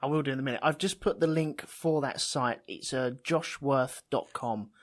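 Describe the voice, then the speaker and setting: A man hosts a loose, chatty podcast at an ordinary mid pitch. He rambles, trails off, and mocks his own grasp of the subject. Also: moderate pace. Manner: rambling, self-mocking, thinks aloud. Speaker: podcast host. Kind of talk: casual chat.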